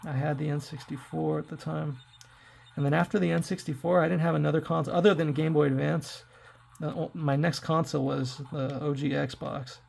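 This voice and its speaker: A man in his forties talks his way through a handheld game session, addressing viewers in loose, rambling asides. His voice is worn and hoarse, deeply gravelly and raspy, and sits a touch higher than most men's. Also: little pitch movement, fairly quick, a little mellow. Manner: rambling, chatty, talks to viewers while playing. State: hoarse from throat trouble. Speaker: tech reviewer playing retro games. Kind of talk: casual gameplay commentary.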